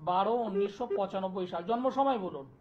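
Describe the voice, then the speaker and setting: A man, an astrologer hosting a live TV call-in show, delivering an insistent, repetitive pitch and taking callers' details. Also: fast talker, a little mellow. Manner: insistent, repetitive sales pitch, listing place names. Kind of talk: live TV promotional talk and phone call-in. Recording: dull lo-fi broadcast sound.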